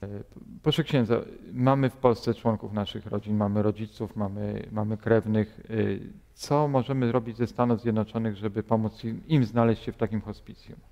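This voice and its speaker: Male interview host, gravelly, hesitant questioner, reverberant studio. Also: on the low side, fairly even intonation, normal speed, few pauses, dark tone, muffled recording. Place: bright TV studio, seated in armchair.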